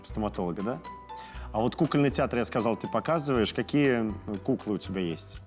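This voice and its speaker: A man's voice: on the low side, lively intonation, brisk, darkish tone, soft background music. A man hosting a children's TV show in a chatty, encouraging, conversational way with children and parents. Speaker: host of a children's TV quiz show.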